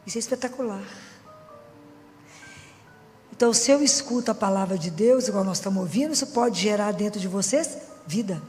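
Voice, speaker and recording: A middle-aged woman with a Minas Gerais accent delivers a relaxed, conversational sermon. She keeps asking her listeners whether they agree. Her voice rings through a large hall with a long echo, and soft music plays faintly underneath. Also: medium pitch, brisk, long pauses. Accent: Minas Gerais Brazilian Portuguese. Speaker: preacher.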